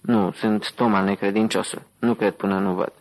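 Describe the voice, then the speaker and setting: A man reading as a calm ironic detective. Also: fairly low pitch, lightly acted, poor audio. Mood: cool. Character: calm, cool-headed male detective.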